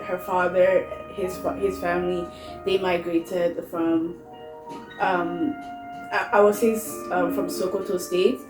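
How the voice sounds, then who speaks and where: A young woman talks in a slightly low voice at a very unhurried pace. She chats casually, pausing to find her words. The room is echoey, with faint music underneath. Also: little pitch movement. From born in Canada, partly raised in Ghana. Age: 20s. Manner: halting, thinking aloud. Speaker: co-host. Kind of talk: casual chat.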